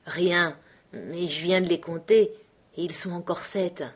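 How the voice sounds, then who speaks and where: A woman's voice: fairly low pitch, steady tone, a little slow, husky. A woman reading the part of a worried adult male trapper in a storybook, with insistent, anxious questions.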